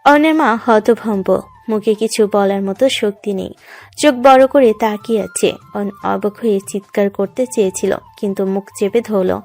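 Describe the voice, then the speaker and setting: A woman's voice: mid-range voice, normal speed, darkish tone, faint music behind. Woman narrating a dramatic romance story.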